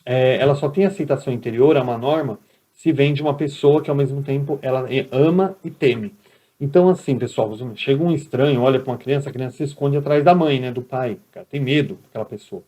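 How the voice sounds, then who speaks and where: A man's voice: medium pitch, a little fast, warm tone. A man with a Brazilian Portuguese accent giving a recorded lecture as a teacher, talking conversationally and often checking in with his listeners.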